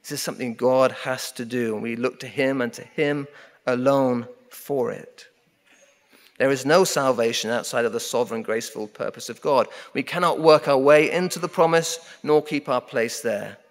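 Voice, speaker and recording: Middle-aged male preacher, mid-pitched, emphatic and repetitive, long reverb of a church sanctuary. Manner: emphatic, repeating key phrases, slowing down for weight. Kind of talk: sermon. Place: church sanctuary at a wooden pulpit. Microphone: pulpit microphone.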